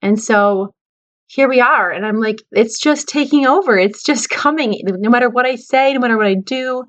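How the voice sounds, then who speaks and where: A woman's voice: on the high side, normal speed, a bit bright. A woman in her thirties talking earnestly and with worry to her viewers, calling them guys. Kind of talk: casual talk to camera.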